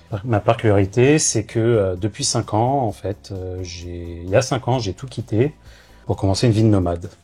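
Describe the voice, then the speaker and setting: A man speaks at a moderate pace in a fairly low voice with ordinary pitch variation. Music plays in the background. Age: 30s. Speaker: vegan digital nomad. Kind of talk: casual interview. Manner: hesitant, many fillers.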